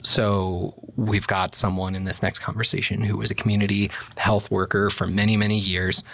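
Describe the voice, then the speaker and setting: A man's voice: lowish voice, little pitch movement, normal speed, vocal fry, a bit bright, a little hiss or hum, low-quality recording. A man hosting a podcast, explaining his thoughts in a thoughtful, discursive way. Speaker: podcast host. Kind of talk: casual discussion.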